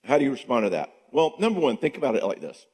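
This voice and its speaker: An older man, a psychologist, giving an animated conference talk in a church, asking rhetorical questions and acting out quoted voices. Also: medium pitch, quick pace. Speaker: psychologist speaking at a marriage conference. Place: church sanctuary. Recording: long church hall reverb.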